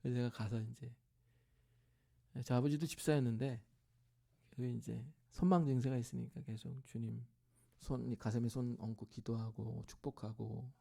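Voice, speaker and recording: At a normal speed and with a medium-pitched voice marked by vocal fry, a middle-aged pastor shares a personal family story from the pulpit of a church sanctuary. He brings his family members' voices to life in lively bursts and drops to a near-whisper at tender moments.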